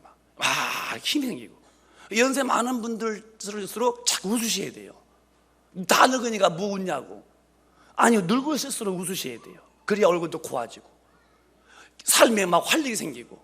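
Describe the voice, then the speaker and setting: A man's voice: on the high side, vocal fry, a bit bright, husky. A man in his fifties preaching a humorous sermon as a pastor, joking and firing rhetorical questions at the congregation. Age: 50s. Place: church sanctuary.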